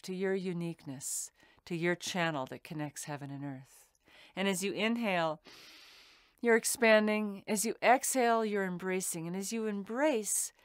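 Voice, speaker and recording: A woman meditation teacher leading a guided meditation in a soothing, deliberate way with pauses between phrases. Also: fairly low pitch, clean tone, no echo, studio quality.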